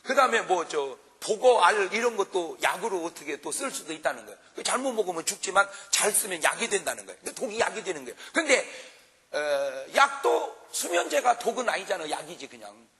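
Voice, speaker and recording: A male pastor preaching at a revival meeting, his high, bright voice leaping up and down as he jokes with the crowd. The sound carries a long reverb from the large church hall. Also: moderate pace. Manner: animated, jokes and acts out quarrels for the congregation. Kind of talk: revival sermon.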